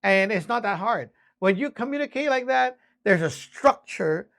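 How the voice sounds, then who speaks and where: High-pitched man giving a casual lesson. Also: expressive, normal speed, vocal fry, a bit bright. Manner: conversational, frequent check-ins, spells things out step by step. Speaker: instructor teaching radio communication basics. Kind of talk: casual spoken lesson with acted-out example exchanges.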